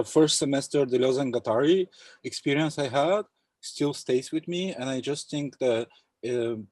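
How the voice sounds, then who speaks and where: A young man from Bulgaria speaking thoughtfully in an academic round-table discussion on a video call, pausing often with fillers. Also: medium pitch, a little mellow, dry recording. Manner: thoughtful, hesitant with many fillers. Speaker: panel speaker.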